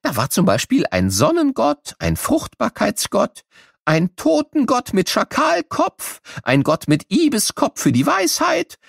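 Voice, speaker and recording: An eccentric, jokey old male professor for a children's audio play. The voice sits high and leaps about, playful and teasing as it poses questions. The sound is dry and close. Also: huge pitch swings, unhurried, creaky, no echo, exaggerated voice.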